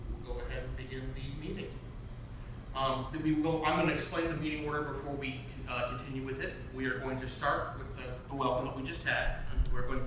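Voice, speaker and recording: Distant, echoing man chairing a meeting. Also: medium pitch. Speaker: chairman and president. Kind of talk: semi-formal meeting address. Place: large echoey meeting room. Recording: very echoey room, far mic, noisy.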